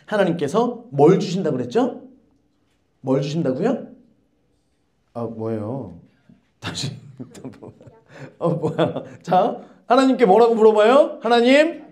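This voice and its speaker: A pastor in his thirties preaches a sermon to his congregation. His voice sits high for a man and swings widely in pitch. He fires questions at his listeners and slips into grumbling voices to act out what people say. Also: big pitch swings, a little slow, pauses often, darkish tone. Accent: Korean.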